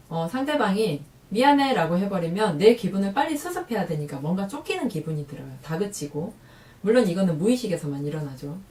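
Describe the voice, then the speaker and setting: Lively woman vlogger in an echoey room. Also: recorded from a distance. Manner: lively, acts out quoted lines in a higher voice. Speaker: parenting vlogger. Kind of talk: casual talk to camera.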